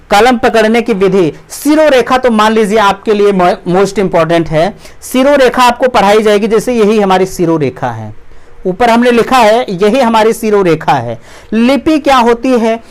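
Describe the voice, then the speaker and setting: Teacher. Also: male voice, sits high, smooth. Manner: rhetorical questions, repeats points, reads list items slowly. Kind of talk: online exam-prep lecture. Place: teaching room with a marker board.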